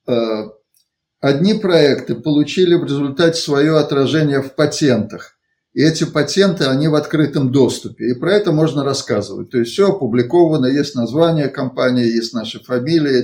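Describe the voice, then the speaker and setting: A man with a mid-range voice talks in a conversational way, as a consultant looking back on his work. His delivery is halting and digressive, and he often rewords a thought before moving on. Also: mid-range voice, a little mellow. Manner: halting, digressive, reformulates as he goes. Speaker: engineering consultant. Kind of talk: conversational account of work experience.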